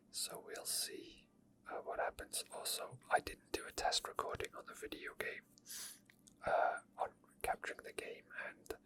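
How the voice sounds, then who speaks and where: Close to the mic, a video game streamer whispers unscripted ASMR commentary over gameplay, breathy, quiet, and unhurried as they ramble. The microphone is tucked under a hoodie near the mouth.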